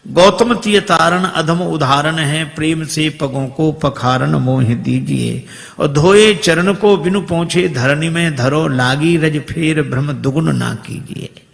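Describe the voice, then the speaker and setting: A man's voice: a little high, fairly even intonation, unhurried, creaky, full character voice. A man voicing a cheeky, humble boatman devotee who sings his verses. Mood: playful. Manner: playful, loud, sings verses. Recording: long hall reverb.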